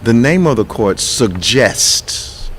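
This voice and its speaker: A man who pastors a church and hosts a radio talk show, speaking emphatically, restarting words as he builds to sharp indignant peaks. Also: mid-range voice, sing-song, slow, slight background noise. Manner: repeats and restarts words while building a point.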